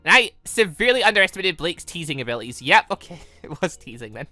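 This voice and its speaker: A woman's voice: fairly low pitch, very animated, fast talker, pushed and bright, dry recording. A woman giving casual, rambling let's play commentary on a visual novel, reacting aloud and often giggly. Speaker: gaming channel host playing a visual novel. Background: game music.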